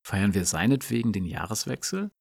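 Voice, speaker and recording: A man presenting a language lesson, explaining in a calm, clear scripted dialogue. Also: on the low side, fairly quick, no room sound.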